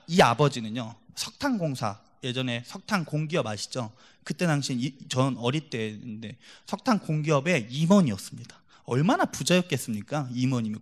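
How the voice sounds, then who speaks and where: Animated Korean-speaking male preacher. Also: on the high side. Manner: animated storytelling, acts out quoted voices, swings from loud to hushed. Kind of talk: sermon. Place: church.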